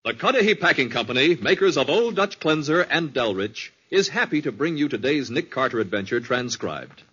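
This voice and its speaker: Animated male old-time radio announcer. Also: medium pitch, moderate pace, breathy edge. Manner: formal, dramatic. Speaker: announcer and narrator. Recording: muffled old radio recording.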